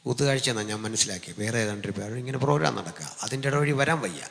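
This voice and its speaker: A male pastor preaching a live sermon to a seated congregation through a microphone, jumping from loud proclamations to quiet, joking asides. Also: on the low side, rapid-fire, vocal fry. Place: large hall with a seated audience. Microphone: amplified stage microphone. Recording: long hall reverb from a live PA.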